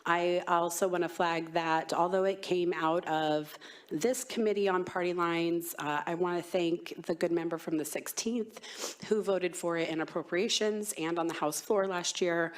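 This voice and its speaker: A woman's voice: lowish voice, fairly even intonation, unhurried. A woman lawmaker testifying to a committee, her voice worn by a cold, earnest with many ums. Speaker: state legislator testifying.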